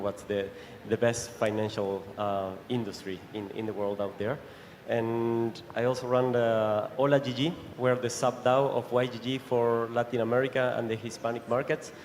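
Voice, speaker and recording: Man from Argentina, monotone, hesitant, hall reverb. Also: medium pitch, a little hiss or hum. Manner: hesitant, many fillers. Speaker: panelist. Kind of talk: panel self-introduction. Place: large event hall on stage. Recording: long hall reverb, faint crowd ambience.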